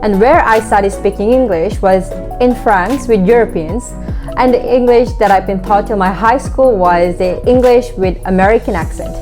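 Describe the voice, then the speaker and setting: A woman's voice: medium pitch, moderate pace. Korean-accented woman chatting over music. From South Korea. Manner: relaxed, conversational, many "like" fillers. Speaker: vlogger. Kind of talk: casual talking-to-camera tips. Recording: background music.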